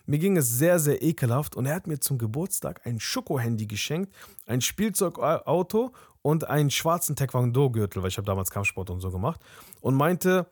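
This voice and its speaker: A man's voice: medium pitch, lively intonation, moderate pace, darkish tone, no room sound, studio quality. A young man hosting a podcast and telling a candid personal story in a conversational way, often tagging his sentences with a questioning aside. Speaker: podcast host.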